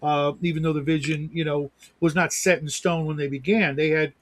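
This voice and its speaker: A man with a fairly high speaking voice chats loosely on a livestream. He rambles, swears freely and restarts his sentences often. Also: flat delivery, fairly quick, no echo. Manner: rambling, profane, with frequent restarts. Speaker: co-host. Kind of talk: casual livestream chat. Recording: remote livestream chat.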